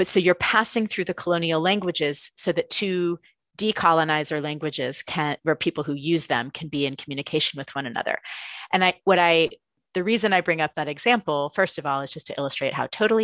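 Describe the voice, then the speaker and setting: A woman with a Californian accent talks at a fairly quick pace in a fairly low pitch. Her pitch varies in an ordinary way against a quiet background. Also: dry, close sound with no echo. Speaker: poet and translator. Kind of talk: interview.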